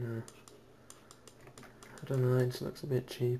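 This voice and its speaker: Soft-spoken and monotone, a man with a British accent talks at a medium pitch and a moderate pace with flat intonation. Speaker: 3D artist recording a sculpting tutorial. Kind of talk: tutorial. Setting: at home. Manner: quiet, soft-spoken.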